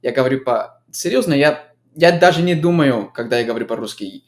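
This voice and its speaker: A man's voice: medium pitch, lively intonation. Young man, chatty guest with restarts. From United States. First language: English. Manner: talks in quick bursts with many restarts. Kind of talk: casual conversational chat.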